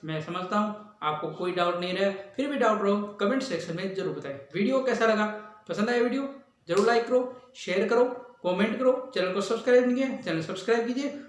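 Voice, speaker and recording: A man teaching an exam-prep lesson, slowly drilling speech sounds one by one. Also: sits high, expressive. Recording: echoey room, far from mic.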